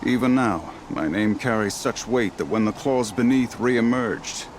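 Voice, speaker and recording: Guy doing an old tribal hunter for a game, lowish voice, tired but proud, solemn storyteller, lots of background noise. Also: close to an everyday voice. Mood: reflective. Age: older. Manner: solemn, measured, poetic storyteller. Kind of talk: dramatic video game dialogue.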